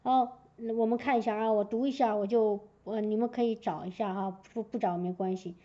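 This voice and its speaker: A woman preaching a sermon in a lively storytelling way, checking in often with her listeners. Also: mid-range voice, a little fast. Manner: lively storytelling with frequent "明白我的意思吧" asides. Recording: dull lo-fi recording.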